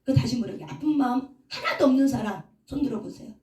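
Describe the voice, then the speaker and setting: A woman's voice: high-pitched, very animated, fast talker, a little mellow, recorded from a distance. A woman pastor giving a sermon, asking the audience questions and answering them herself. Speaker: pastor and counselor. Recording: echoey hall, voice from off mic.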